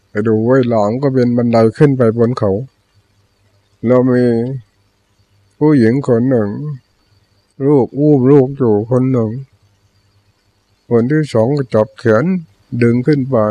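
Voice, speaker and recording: Older Thai monk giving a calm Dharma talk. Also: male voice, medium pitch. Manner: plain storytelling with repeated teaching phrases. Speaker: Buddhist monk teacher.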